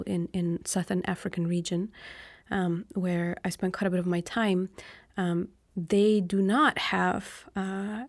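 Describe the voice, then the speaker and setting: A woman's voice: on the low side, a little mellow, no room sound. Young woman, native Lithuanian speaker, reflective interview guest; hesitant, searching delivery in a dry room. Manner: thoughtful, many ums and uhs, often adds "right?". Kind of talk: reflective conversational answer.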